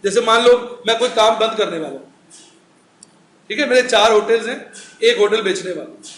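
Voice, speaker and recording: A middle-aged man gives a chatty classroom lecture on accounts, throwing questions at the class and answering them himself. His voice sits very high. The room is echoey, with a faint hiss underneath. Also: moderate pace, a bit bright. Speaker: accounts teacher.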